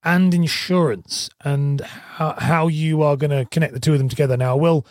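Man, hoarse strained voice, rambling solo podcast talk, fairly high pitch, dry room. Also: fairly even intonation, normal speed, dry recording. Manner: chatty, rambling, self-correcting. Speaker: podcast host.

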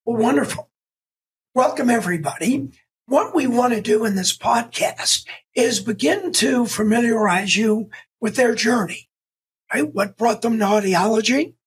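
A man's voice: extremely high pitch, unhurried, husky, poor audio. A man hosting a podcast, interviewing students in a casual, upbeat, encouraging way. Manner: upbeat, encouraging, short affirmations. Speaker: podcast host and institute founder.

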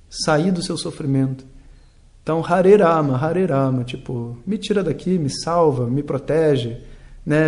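A man giving a casual spoken lesson, explaining patiently and softly chanting mantras. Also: on the high side. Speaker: yoga and Vedic teacher.

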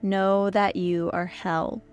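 A woman with a hoarse, worn-down voice, hosting a podcast and gently guiding a yoga nidra meditation with soft, slow instructions and long pauses. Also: mid-range voice, little pitch movement, soft background music. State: hoarse, losing her voice. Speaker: podcast host and meditation guide.

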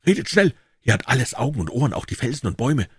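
A man voicing a frightened male Mormon rider in an audiobook, talking in a high, urgent, fearful voice. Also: animated, a little fast, slightly rough, no echo, studio quality. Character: frightened middle-aged male Mormon rider, anxious and hurried. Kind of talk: dramatic audiobook reading.

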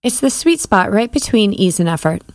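A woman leading a guided breathing meditation as a podcast host and coach, giving measured, soothing instructions with pauses. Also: medium pitch, animated, a little mellow, no echo, studio quality.

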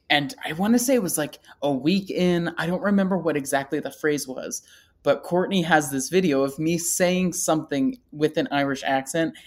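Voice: mid-range voice, a bit bright. A podcast co-host chatting casually, rambling through a story and joking at their own expense. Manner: rambling, self-deprecating humor. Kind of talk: casual chat.

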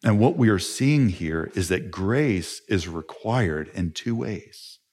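A man's voice: low-pitched, lively intonation, slow pace, darkish tone. Man preaching an earnest sermon. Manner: earnest, emphatic preaching with rhetorical questions. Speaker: pastor.

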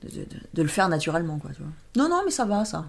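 A French woman talking casually as an interview guest, lively and emphatic, animating her stories. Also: fairly low pitch, fast, vocal fry, slight background noise. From France. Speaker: guest, stage performer.

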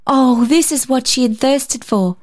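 A woman narrating a story from a script in an expressive storybook style. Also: sits high, a little slow. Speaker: story reader.

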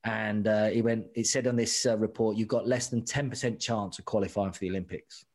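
A man's voice: on the low side, fairly even intonation, a little fast, a little mellow. A middle-aged man, a rugby coach, telling stories candidly and animatedly, often repeating words and saying "mate". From England. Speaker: rugby sevens coach, guest. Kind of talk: candid conversational storytelling.

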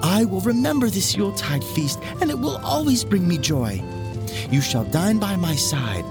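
A man's voice: sits high, very animated, normal speed, over music, voice pushed up. A man voicing a gracious, grateful and merry queen in a storybook tale. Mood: joyful, gracious.

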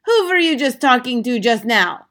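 A woman's voice: on the high side, big pitch swings, moderate pace, pushed and bright, pitched above the performer's own voice. A woman voicing an imperious, snappish witch in a storybook, with haughty, menacing commands. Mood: angry, suspicious. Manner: haughty, barking commands and questions.

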